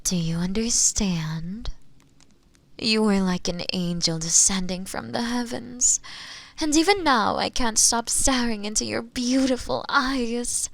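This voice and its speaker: A woman playing an imprisoned witch in an audio roleplay, seductive, teasing and obsessive, sometimes hushed as she speaks to the listener. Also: a little high, gravelly, no echo. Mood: lovestruck, wistful. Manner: slow, teasing, hushed at times, with pet names. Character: imprisoned witch, seductive, obsessive yandere, bitter toward inquisitors.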